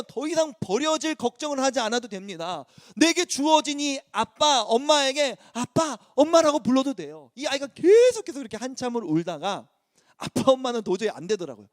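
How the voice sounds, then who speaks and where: A man preaching a youth sermon with a notably high, lively voice that rises and falls freely. He tells his stories in a chatty, animated manner, recorded close and dry with no room sound. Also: dry recording. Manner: conversational storytelling, animated. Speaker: youth pastor. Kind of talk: sermon to high school students.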